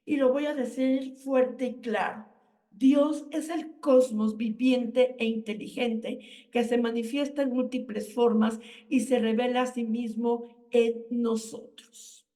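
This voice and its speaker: Earnest woman hosting radio, higher voice. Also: darkish tone, distant mic. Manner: earnest, lecturing. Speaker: radio host. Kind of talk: reflective spiritual radio talk.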